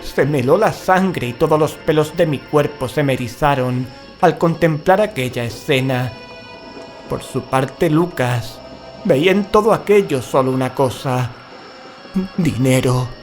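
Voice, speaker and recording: An actor playing a frightened, cautious paranormal investigator in a horror audio drama, grave and dramatic. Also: male voice, a little high, unhurried, faint music behind, natural voice. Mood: dread. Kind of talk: first-person horror audio drama narration and acting.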